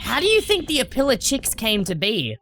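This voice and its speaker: Animated high-voiced woman explaining game lore. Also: a little fast, background noise. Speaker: video host. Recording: music under the voice.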